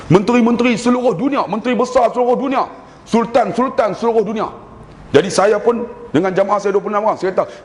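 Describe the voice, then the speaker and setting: A male preacher with a Malaysian Malay accent, pitched somewhat high, delivers an animated, humorous sermon full of stories. He stretches his prayers into a slow chant. His voice carries a long reverb from a large hall. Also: slight background noise. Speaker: religious preacher. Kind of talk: sermon storytelling.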